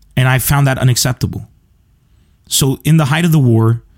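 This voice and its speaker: The voice is somewhat breathy. It moves at a very fast pace. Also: man. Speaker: stand-up comedian and podcast host. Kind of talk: casual chat and stand-up comedy storytelling, with accent bits and jokes.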